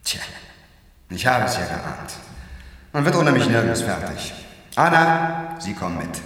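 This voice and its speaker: An actor playing a megalomaniac, domineering company director in a radio play, barking orders and bursting into shouts. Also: male voice, lowish voice, sing-song, unhurried, far from the mic, very noisy. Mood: imperious. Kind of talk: 1950s radio play acting. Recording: roomy reverberant studio, voice off-mic.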